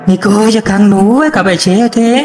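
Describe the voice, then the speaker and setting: Frightened young woman, voiced by a man, pleading, whiny, high-pitched, echoey room. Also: animated, brisk, a little hiss or hum.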